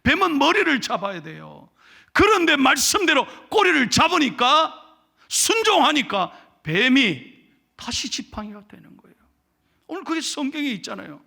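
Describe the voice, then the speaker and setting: Man, pastor, high bright voice, animated sermon delivery. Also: moderate pace, creaky. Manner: animated preaching that acts out scripture dialogue. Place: church sanctuary pulpit.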